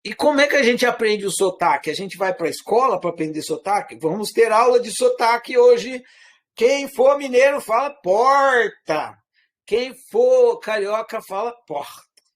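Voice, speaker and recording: A man with a fairly high voice and a Brazilian accent that mixes Minas Gerais with rural caipira. He lectures in a loose, conversational way and keeps asking his listeners questions. His pitch and loudness swing widely as he makes his points. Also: animated, unhurried. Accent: Brazilian Portuguese, part Minas Gerais, part rural caipira. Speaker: teacher. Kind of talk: informal spoken lecture.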